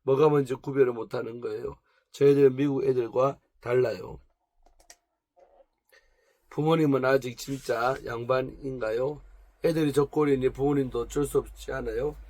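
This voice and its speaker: A man's voice: medium pitch, steady tone, moderate pace, darkish tone, close to an everyday voice. A man reading aloud the lines of a proud, complaining woman of 45 from a noble family. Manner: complaining, defensive, pleading.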